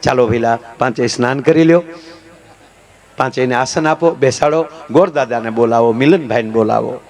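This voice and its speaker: A man telling folk jokes on stage, acting out characters in changing voices and adding preachy asides. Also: moderate pace. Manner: animated, swings pitch to act out quoted characters. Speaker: folk humorist. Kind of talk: live folk comedy storytelling.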